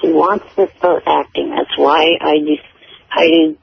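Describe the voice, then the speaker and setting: High, very creaky man calling in by phone. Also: flat delivery, takes it slowly. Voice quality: hard to understand. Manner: blunt, irritable, foul-mouthed. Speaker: phone-in caller. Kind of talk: casual argumentative radio call. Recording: muffled, poor telephone connection with noise.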